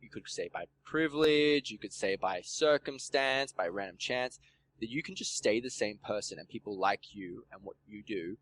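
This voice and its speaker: A man's voice: lowish voice, moderate pace, fairly bright tone, a little hiss or hum, low-quality recording. A man hosting a podcast in casual chat, rambling and filling his talk with "like", swearing now and then. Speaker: podcast host.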